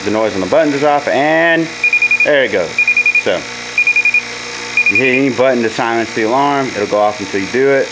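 A man's voice: mid-range voice, moderate pace, long pauses, heavy background noise. A man casually demonstrating a vacuum gauge at a workshop table, rambling a bit and correcting himself as he goes. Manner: relaxed, rambling, with fillers and self-corrections. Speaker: HVAC technician reviewing a gauge. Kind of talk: casual hands-on product demo.

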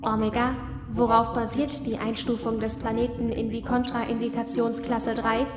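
In a huge echoing space with music behind, a commanding female machine intelligence played by an actress presides in a science fiction audio drama. Her diction is formal and deliberate, on a very even pitch. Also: close to an everyday voice. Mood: measured, official. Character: commanding machine swarm coordinator Alpha, measured and authoritative. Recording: very echoey reverberant hall, music behind.

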